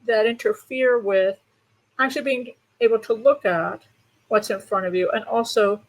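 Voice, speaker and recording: A woman with a fairly high voice leads an interview. She talks in a thoughtful, searching way and sometimes restarts a word as she finds her phrasing. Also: steady tone, normal speed, poor audio. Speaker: interview moderator. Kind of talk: conversational interview.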